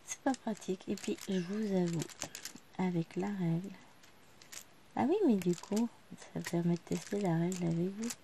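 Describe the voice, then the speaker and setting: A woman's voice: fairly low pitch, steady tone, moderate pace, a little hiss or hum. A woman in her thirties, a vlogger chatting casually to the camera while she works on a craft at home. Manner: chatty, talking quietly to the camera while working. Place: living room at home.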